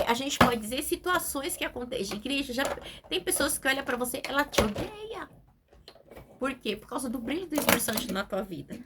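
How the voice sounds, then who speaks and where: A middle-aged woman preaches a testimony sermon. Her voice sits somewhat high, and she keeps checking in with the congregation through little tag questions. A faint background noise runs under her voice. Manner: earnest, fills pauses with frequent tag questions.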